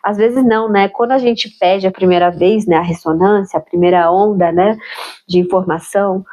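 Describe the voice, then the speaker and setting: A woman's voice: medium pitch, fairly even intonation, moderate pace, mellow, muffled recording. A woman with a nasal, stuffed-up voice from a cold, reflecting aloud on her spiritual practice in a musing way and adding tag questions to her sentences. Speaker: spiritual vlogger. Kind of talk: reflective personal talk.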